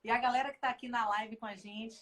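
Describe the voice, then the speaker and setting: Woman, live-stream host, effusive, exclamatory, higher voice. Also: fairly even intonation, fast talker, fairly bright tone, slight background noise. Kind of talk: enthusiastic live-stream hosting.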